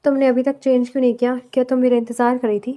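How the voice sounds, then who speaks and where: A woman's voice: high voice, little pitch movement, very fast, dark tone, lightly acted. A woman reading a story and voicing a proud young husband who teases his new wife in a dry, mocking way.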